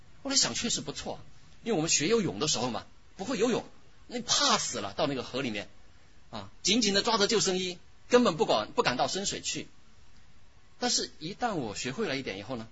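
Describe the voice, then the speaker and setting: A man speaks at a fairly quick pace with long, frequent pauses. His high voice moves in very wide pitch swings. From mainland China, Yangtze riverside. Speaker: lay preacher. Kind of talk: sermon. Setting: church women's fellowship with audience.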